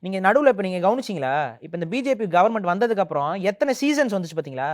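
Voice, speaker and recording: Fast, indignant high-voiced man. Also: animated. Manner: indignant, rapid, rising to emphatic outbursts. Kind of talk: heated opinion talk.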